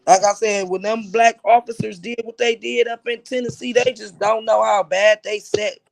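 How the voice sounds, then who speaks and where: High-voiced man ranting on a livestream. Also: fairly even intonation, moderate pace, vocal fry. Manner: emphatic, profane, repeats "like I said". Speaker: livestream host. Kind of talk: casual livestream talk.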